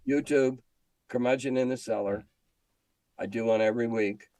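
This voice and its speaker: A man's voice: mid-range voice, steady tone, normal speed, mellow, no room sound. An older man with an American accent, chatting casually as an interview guest in a plain-spoken, wry way. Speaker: interview guest, retired magazine editor. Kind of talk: casual chat.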